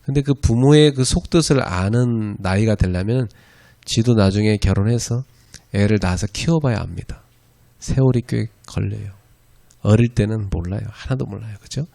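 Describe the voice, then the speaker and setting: A man's voice: on the low side, moderate pace, creaky, mellow. A man preaching a sermon lecture at a church, speaking conversationally and often checking in with the audience. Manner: conversational, frequent "예" and "그죠?" asides to the audience. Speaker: pastor teaching an evangelism school.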